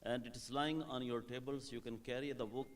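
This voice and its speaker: A man with a Pakistani accent, a native Urdu speaker, giving a public presentation as a tourism coordinator in halting, emphatic phrases. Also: medium pitch, fairly even intonation. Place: hotel event hall.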